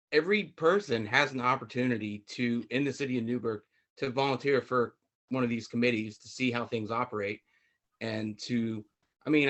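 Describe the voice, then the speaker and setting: A man's voice: mid-range voice, fairly bright tone. A man speaking earnestly as a committee member at a public meeting, in a conversational way. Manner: earnest, conversational, many fillers.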